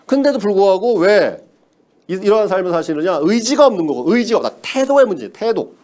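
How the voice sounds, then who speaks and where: A man's voice: high-pitched, big pitch swings, brisk, a little mellow. A man giving a motivational sales lecture, emphatic, repeating key words and asking the audience rhetorical questions.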